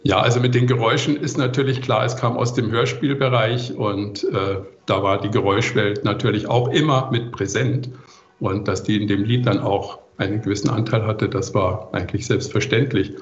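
A man in his sixties giving measured, articulate, reflective answers as an interview guest. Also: on the low side, fairly even intonation, reverberant, muffled recording. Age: 60s.

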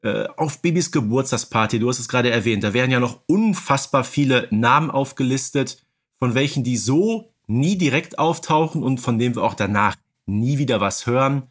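A man's voice: medium pitch, lively intonation, moderate pace. A man co-hosting a podcast, casually explaining details and often checking for agreement with little tag questions. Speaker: podcast co-host. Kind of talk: casual podcast discussion of an audio drama series.

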